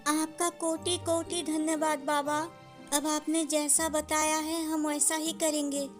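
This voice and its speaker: A woman's voice: high-pitched, flat delivery, a little slow, faint music behind. A woman playing a caring, devoted village wife in a cartoon, earnest and concerned. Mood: grateful. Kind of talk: Hindi cartoon story acting.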